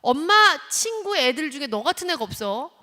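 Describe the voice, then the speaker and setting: A woman acting out a furious mother who berates and insults her teenage son with shouted demands, heard in a church hall. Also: sits high, big pitch swings, normal speed, pitched above the performer's own voice. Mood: furious scolding.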